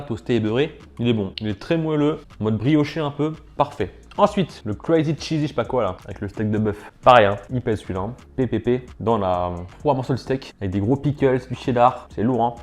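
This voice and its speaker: A man talks casually to his viewers while tasting a big spread of sandwiches, often with his mouth full. His voice sits at an ordinary middle pitch. Soft music plays underneath. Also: brisk. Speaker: food challenge vlogger. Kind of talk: casual food review vlog.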